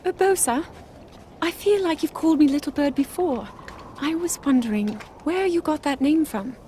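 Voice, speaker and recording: An actress playing a young, earnest princess who speaks softly and with curiosity in a game cutscene. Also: female voice, sits high, expressive, moderate pace, slight background noise. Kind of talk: video game cutscene acting. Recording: game soundtrack with faint music.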